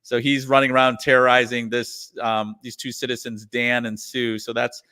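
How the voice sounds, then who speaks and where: A man's voice: medium pitch, level tone, normal speed, sharp tone, clean tone. A man chatting as a guest in an interview, rambling with restarts and lots of "you know". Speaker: guest musician and comedian. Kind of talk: casual interview chat.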